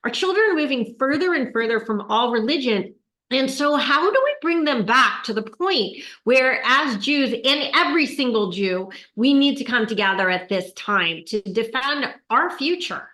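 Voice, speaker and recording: A woman in her fifties hosting an interview, speaking earnestly and emphatically in quick bursts. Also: a little high, animated, bright, forceful tone. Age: 50s. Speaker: host, yoga teacher. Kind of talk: conversational interview. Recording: roomy echo.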